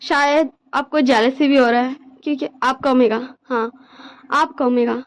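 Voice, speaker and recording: A woman voicing a calm young man who quietly scolds a friend's husband in a storybook read-aloud. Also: sits high, voice pushed down, poor audio. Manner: soft, measured, lecturing.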